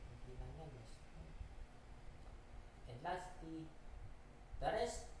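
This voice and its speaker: A Filipino woman rambles casually with a lively, swooping voice that sits a little low. She is halting and repeats herself, slipping between Tagalog and English. The sound is heavily echoey, with clear noise around her. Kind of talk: casual rambling chat while driving. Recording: very echoey, distant mic, noisy background.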